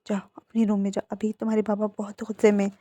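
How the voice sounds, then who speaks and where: Woman voicing a soft, gently firm mother. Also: mid-range voice, completely flat delivery, fast, dry recording, natural voice. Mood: hushed. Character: calm middle-aged mother, gently firm. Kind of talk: fan fiction story reading.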